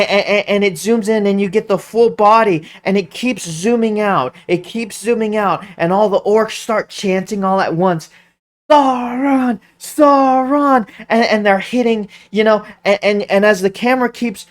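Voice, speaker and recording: An online commentator giving excited, casual commentary, stumbling over and restarting words, and humming tunes aloud. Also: mid-range voice. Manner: animated, hums music aloud.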